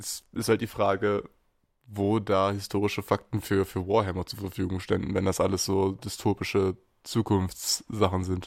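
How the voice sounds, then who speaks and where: A man speaks at a moderate pace in a fairly low voice with flat, monotone intonation, on a very clean recording with a silent background. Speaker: metal podcast co-host. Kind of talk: casual chat.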